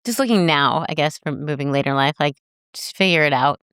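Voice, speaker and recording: American woman podcast guest; low voice, animated storyteller, dry studio sound. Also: brisk, clear, resonant tone, no echo. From United States. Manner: animated, acts out voices in her anecdotes. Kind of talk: casual storytelling chat.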